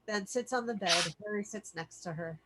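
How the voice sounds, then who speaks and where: Bright-voiced woman reading stage directions. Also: mid-range voice, normal speed. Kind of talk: scripted narration at a virtual table read.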